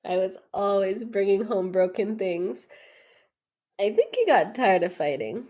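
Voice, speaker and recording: A woman playing a wistful, gently probing adult granddaughter in a naturalistic audio drama. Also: mid-range voice, big pitch swings, a little slow.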